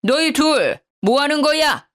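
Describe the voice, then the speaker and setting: A harsh, scornful older father-in-law from a storybook drama, put on by a woman narrator. He shouts his contempt in a raised, hard voice. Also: high-pitched, lively intonation, unhurried, voice pushed up. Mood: contemptuous.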